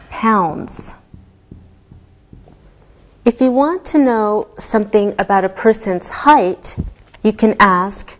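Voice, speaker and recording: A woman teaches an English lesson with patient, careful delivery. She speaks at a very slow, deliberate pace, and every word comes out clear and unhurried. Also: medium pitch. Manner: patient, deliberate, spells things out step by step.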